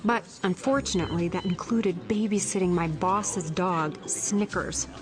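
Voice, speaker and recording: An actress playing an orderly wedding planner, giving a composed, wry first-person film voice-over. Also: female voice, fairly low pitch, unhurried, music in the background, close to an everyday voice. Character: dutiful, orderly female wedding planner recounting her day.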